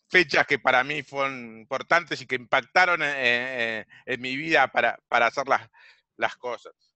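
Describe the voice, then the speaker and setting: A man speaks at a fairly slow pace. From Argentina. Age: 40s. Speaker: IT professional and webinar presenter. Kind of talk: webinar presentation. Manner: halting.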